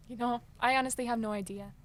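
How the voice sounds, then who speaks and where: A woman's voice: a little high, fairly even intonation, brisk, natural voice. A woman playing a naive, chatty, polite girl in a comic radio play, casual and wide-eyed. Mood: curious, chatty. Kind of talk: comedic audio drama acting.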